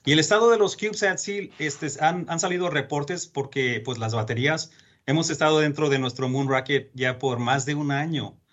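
A man's voice: on the high side, normal speed, fairly bright tone, lo-fi sound. A Mexican man with a Mexican accent, a space agency executive, speaking earnestly as a guest in a radio interview. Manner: earnest, many fillers and restarts.

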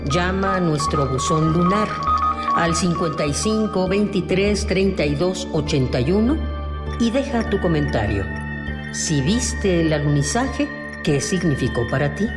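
Female station announcer, low and lively, reverberant, over loud music. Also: unhurried. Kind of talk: scripted radio promo.

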